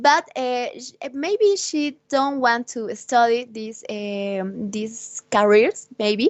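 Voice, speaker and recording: Speaking with a Spanish accent, a woman talks at a very slow pace. Her voice is high-pitched and her intonation lively. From Bolivia. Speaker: student ambassador. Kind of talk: conference presentation. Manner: halting, many fillers.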